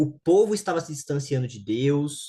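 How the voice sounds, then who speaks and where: A man speaks in an animated tone at a fairly high pitch. His voice is somewhat breathy. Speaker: Bible teacher. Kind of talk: lecture. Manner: fast.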